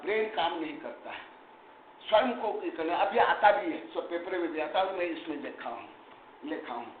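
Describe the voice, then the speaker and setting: A man's voice: fairly high pitch, moderate pace. A man teaching a scripture study class as a monk-teacher, emphatic and chiding, dropping English terms into his speech. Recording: echoey room, tinny phone-like sound, faint noise.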